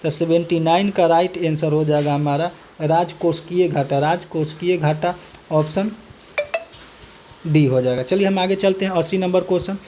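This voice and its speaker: Mellow-voiced teacher repeating exam questions. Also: medium pitch, a little hiss or hum. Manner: reads each question twice, then states the answer in a set phrase. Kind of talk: reading and solving quiz questions.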